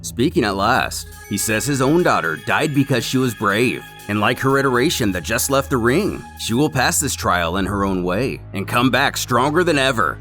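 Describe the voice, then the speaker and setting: A man delivers scripted recap narration with dramatic emphasis. His mid-pitched voice moves up and down in a lively way, with faint music playing behind him.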